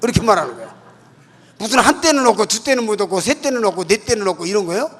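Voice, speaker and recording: A man's voice: high voice, sing-song, racing, a bit bright. A man preaching an evangelistic sermon in a church, emphatic and acting out dialogue from his stories. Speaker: pastor.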